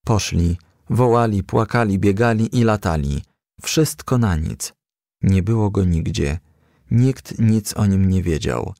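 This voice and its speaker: Slow, deep-voiced male storybook narrator. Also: no echo, clean studio sound. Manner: expressive, measured storytelling. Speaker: audiobook reader. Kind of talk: scripted storybook narration for children.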